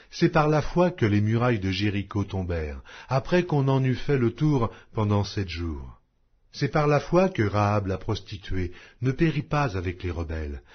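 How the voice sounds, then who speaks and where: Male scripture narrator, deep-leaning and rough-edged voice, solemn measured delivery, slightly dull recording. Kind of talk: scripted Bible reading.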